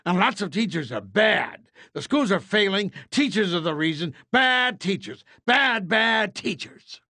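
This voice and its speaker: A man's voice: high voice, sing-song, measured pace, pushed and bright, no room sound, pitched above the performer's own voice, full character voice. An older American man voicing a smug, scheming rich man in a storybook, with an exaggerated, condescending and accusing manner. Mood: accusing, alarmed. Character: smug, scheming rich men deflecting blame.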